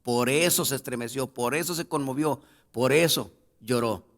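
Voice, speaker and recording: A male pastor preaching a sermon, reading scripture aloud and swelling into loud, emphatic passages as he addresses the congregation. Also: mid-range voice, normal speed. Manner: addresses the congregation directly as brothers.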